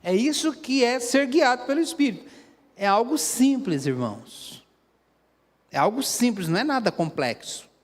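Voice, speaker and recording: A man's voice: very high voice, very animated, normal speed. A man with a Brazilian Portuguese accent preaching a sermon as a pastor, earnest and conversational, putting direct questions to the congregation. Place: church sanctuary. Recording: long hall reverb in a church.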